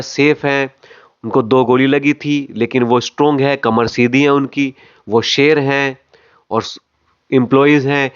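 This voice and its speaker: A man's voice: medium pitch, clear, resonant tone, lo-fi sound. A man coaching acting, explaining phrase by phrase and repeating words for emphasis. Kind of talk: explanatory lesson on voice modulation.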